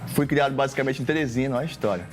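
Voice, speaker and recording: Brief: male guest, mid-pitched voice, easygoing testimony, faint music underneath. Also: racing. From Maranhão, Brazil. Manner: relaxed storytelling, uses "galera" and "cara". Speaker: gospel singer guest. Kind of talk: casual testimony interview.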